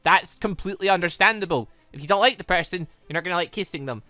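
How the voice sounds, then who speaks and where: A woman giving excitable, giggly let's play commentary as a gaming channel host. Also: lowish voice, fast talker, no echo, soft background music. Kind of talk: let's play commentary with read-aloud dialogue.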